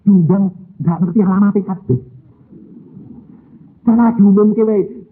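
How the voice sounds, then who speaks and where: A man's voice: high-pitched, fairly even intonation, unhurried, slight background noise. A middle-aged man, preaching a sermon as a folksy storyteller who acts out family dialogue. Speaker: pastor. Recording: lo-fi phone-like audio.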